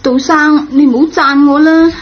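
High-pitched, earnest schoolgirl played by a woman. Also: steady tone, moderate pace, slight background noise, close to an everyday voice. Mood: remorseful, earnest. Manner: earnest, pleading. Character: impulsive, remorseful, good-hearted schoolgirl. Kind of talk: Cantonese radio drama acting. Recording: dull, lo-fi old radio recording.

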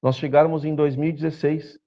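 Gravelly-voiced man lecturing in a hall. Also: a little high, brisk. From southern Brazil. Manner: animated, gestures while presenting slides, rhetorical asides. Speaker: chief economist giving a seminar talk. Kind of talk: conference lecture. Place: meeting room with projector screen, indoors. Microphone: handheld mic, filmed by a far camera. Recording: dull lo-fi room recording.

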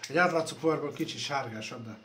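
A man's voice: mid-range voice, background noise. A man talking casually while working on computers in his workshop, rambling and self-deprecating, recorded on a phone. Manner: rambling, self-deprecating, trailing off softly at phrase ends. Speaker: computer repair vlogger. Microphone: phone camera. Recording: echoey workshop room, faint ambience.

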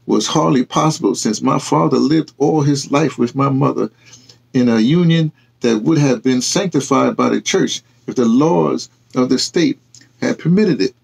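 A man's voice: medium pitch, gravelly, darkish tone, breathy edge, voice pushed up, rough recording. A man reading aloud and voicing a proud, wounded middle-aged planter, stumbling and restarting over the words. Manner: halting read-aloud with restarts.

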